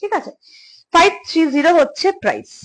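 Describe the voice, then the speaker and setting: A woman with a high voice talks through a casual home showcase of jewellery pieces. She is chatty, repeats her phrases and slips English words into her speech. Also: huge pitch swings, a little fast, low-quality recording. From India. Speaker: jewellery seller. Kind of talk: casual live product showcase.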